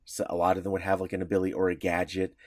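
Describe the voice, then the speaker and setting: A man's voice: deep voice, monotone, very fast, a little mellow, dry recording, clean studio sound. A man co-hosting a podcast, explaining at length in a casual, rambling way with lots of fillers. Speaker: podcast co-host.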